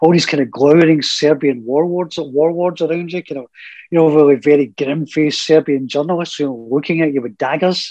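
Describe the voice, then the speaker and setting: With a Scottish accent, a man speaks at a fairly quick pace. His pitch is fairly high and his intonation fairly even. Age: 50s. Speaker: sports journalist. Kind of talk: casual interview.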